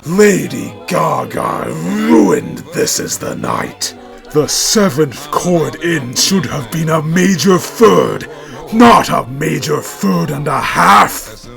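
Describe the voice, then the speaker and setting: A man's voice: fairly high pitch, lively intonation, slow pace, vocal fry, a bit bright, faint music behind, pitched above the performer's own voice, exaggerated voice. A man voicing a haughty, grandiose cartoon cat with pompous, mock-formal declamation. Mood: outraged.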